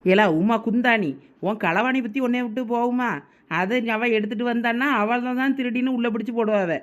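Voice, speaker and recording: A woman's voice: a little high, fairly even intonation, fairly quick, close to an everyday voice. A woman voicing a blunt, sensible village neighbour in a cartoon, chiding in a matter-of-fact way with a Thoothukudi Tamil accent. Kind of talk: cartoon village drama dialogue.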